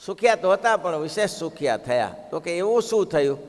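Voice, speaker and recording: Casting: male preacher, somewhat high voice, expressive storyteller who acts out villagers, recorded with a long hall echo. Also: a little fast. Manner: expressive, rhetorical questions, acts out quoted villagers. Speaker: religious discourse speaker. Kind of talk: devotional sermon with storytelling.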